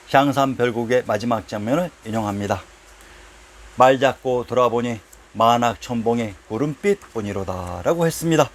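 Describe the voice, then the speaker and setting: A man's voice: mid-range voice, slight background noise. Man reading a scripted history lecture. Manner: reads out entry headings and citations in a measured recital. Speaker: narrator of a history lecture series. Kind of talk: scripted narration.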